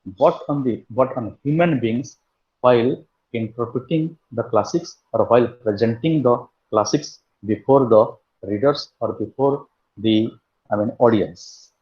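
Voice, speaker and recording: A man's voice: medium pitch, unhurried, highs cut off. A man giving an online literature lecture as a university lecturer, explaining point by point with frequent restarts. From India. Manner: explaining step by step, with many restarts.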